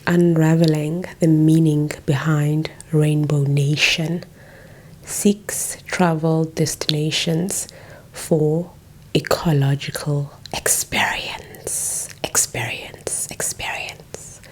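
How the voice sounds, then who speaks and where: A young South African woman with a South African accent, whispering an ASMR lesson as she recovers from flu, softly repeating words into a close mic. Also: deep voice, flat delivery, slow, poor audio. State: recovering from flu, a little hoarse. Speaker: ASMR creator. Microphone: close microphone.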